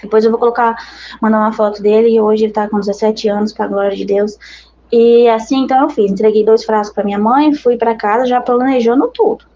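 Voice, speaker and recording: Brazilian missionary lady sharing her testimony, talks straight to the brothers and sisters, warm low-fi sound. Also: steady tone, a little fast, lo-fi sound, slight background noise. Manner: earnest, conversational, addresses listeners as brothers and sisters. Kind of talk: religious testimony.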